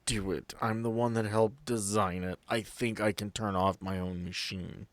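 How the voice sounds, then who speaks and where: A man's voice: fairly low pitch, fairly even intonation, normal speed, no room sound, natural voice. A man voicing an anxious male scientist in a tabletop game, speaking fairly plainly in his own voice. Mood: assured. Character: nervous male scientist who built the machine.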